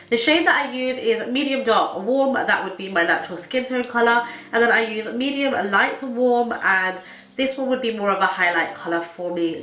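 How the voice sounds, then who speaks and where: A woman's voice: mid-range voice, bright, forceful tone, far from the mic. A young woman with a stuffy, congested voice, chatting casually through a makeup tutorial as a beauty vlogger. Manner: chatty, gushing, talks while applying makeup. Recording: echoey room, a bit off mic.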